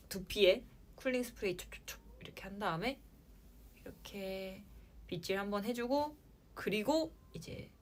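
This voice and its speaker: A young woman talks casually on a livestream, answering fans' questions. Her pitch leaps around with lively inflection. She likes playful sound words and lets her lines fade out softly. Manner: chatty, playful sound words, trails off at line ends. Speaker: idol livestream host.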